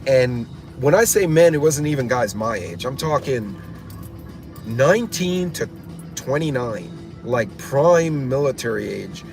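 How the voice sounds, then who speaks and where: A man hosts a prepper vlog from his car, talking bluntly and casually with many fillers, restarts and swear words as he rambles. His mid-range voice is animated, unhurried and darkish, with classic rock playing in the background.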